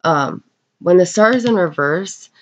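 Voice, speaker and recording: A woman's voice: fairly low pitch, animated, unhurried. Sniffly woman reading tarot, dull sound. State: getting over a bad cold, sniffly. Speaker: tarot reader. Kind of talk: casual tarot card reading. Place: indoors at a table in a room.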